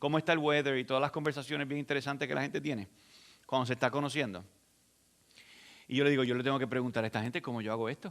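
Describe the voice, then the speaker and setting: A man speaks at a medium pitch with ordinary pitch variation. He goes at a very fast pace but leaves long, frequent pauses. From Puerto Rico. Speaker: guest preacher, pastor. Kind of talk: sermon. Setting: church. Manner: animated storytelling.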